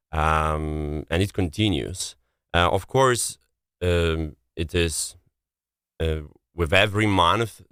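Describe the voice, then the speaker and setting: Very deep, smooth Polish-accented man. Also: fairly bright tone, no room sound, studio quality. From Poland. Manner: careful, halting, searching for words. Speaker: interview guest, relief coordinator. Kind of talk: interview answers.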